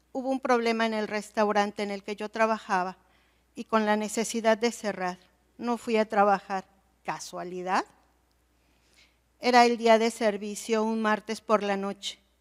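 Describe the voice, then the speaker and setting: The speech comes at a fairly slow pace with long, frequent pauses and monotone, flat intonation. The recording is very clean, with a silent background. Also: woman, fairly high pitch for a woman. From Mexico. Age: 60s. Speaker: church member giving testimony. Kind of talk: testimony. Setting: church.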